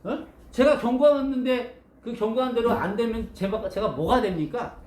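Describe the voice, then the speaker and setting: A man voicing the sulking, indignant prophet Jonah, complaining loudly in a told Bible story. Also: normal speed, roomy sound. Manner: pleading and complaining, louder and higher than his narration.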